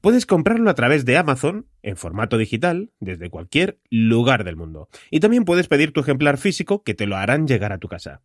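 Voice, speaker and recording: A man's voice: medium pitch, huge pitch swings, fairly quick, hardly any pauses, no echo, studio quality. A man from Spain with a Spanish accent hosts a podcast solo, talking conversationally straight to the listener and posing rhetorical questions. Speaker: podcast host.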